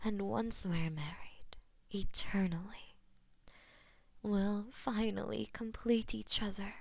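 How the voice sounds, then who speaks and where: A woman voicing a possessive, lovestruck goddess of death in a romantic audio roleplay, murmuring intimately and slipping into breathy whispers. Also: mid-range voice, fairly even intonation, slow, no echo. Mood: intimate, longing.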